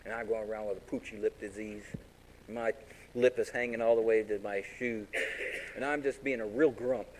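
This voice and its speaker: A man's voice: lowish voice, moderate pace, slight background noise, rough recording. A man preaching a sermon as pastor in a folksy, storytelling way. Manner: folksy, animated storytelling with acted-out voices.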